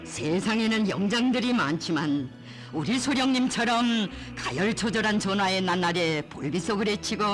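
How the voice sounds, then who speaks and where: A woman speaking in a North Korean accent delivers scripted propaganda documentary narration over background music. Her medium-pitched, expressive voice holds a moderate pace, and her declamation is solemn, reverent and emotive.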